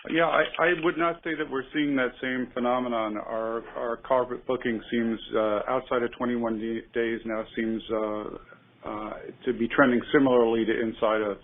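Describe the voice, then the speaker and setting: A man speaking as an airline executive, giving measured, upbeat, unscripted answers on an earnings call. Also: medium pitch, fairly even intonation. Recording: narrow tinny conference phone line.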